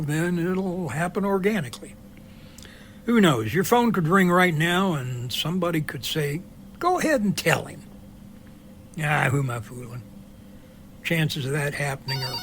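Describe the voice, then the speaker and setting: A man's voice: on the high side, animated, a little slow, pauses often, fairly bright tone, slight background noise. A man playing an easygoing, curious middle-aged helicopter pilot in an amateur audio drama, chatty and wry.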